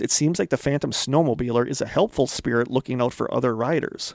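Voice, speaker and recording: The speaker has a Wisconsin accent. The pace is fairly quick. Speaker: podcast host, storyteller.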